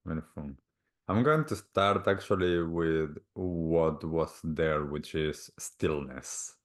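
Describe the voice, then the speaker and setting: A man from Argentina with an Argentine Spanish accent, speaking slowly and gently as a guest healer on a video call, often repeating words as he searches for the next one. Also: rumbling low. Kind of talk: calm reflective interview answers.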